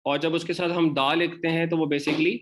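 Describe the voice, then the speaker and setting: A man's voice: on the high side, flat delivery, normal speed, a bit bright, slight background noise. A man with a Pakistani Urdu accent teaching an Arabic grammar class, explaining step by step and repeating example words. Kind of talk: online class lecture.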